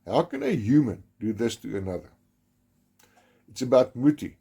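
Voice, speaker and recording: A man with a South African accent, whose first language is Afrikaans, gives a grave, measured documentary narration with emphatic stresses. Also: medium pitch, sing-song, vocal fry, warm tone, slightly rough. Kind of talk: solemn scripted narration.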